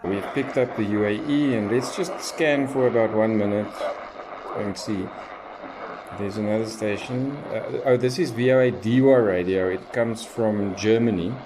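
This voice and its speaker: A man's voice: on the low side, moderate pace, noisy background. A man giving casual hands-on commentary as a radio hobbyist, thinking aloud as he tests. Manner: unscripted, thinking aloud while testing.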